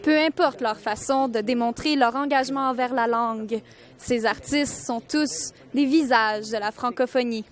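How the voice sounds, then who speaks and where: High-voiced young woman reporter. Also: moderate pace. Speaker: student reporter. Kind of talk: news standup and sign-off.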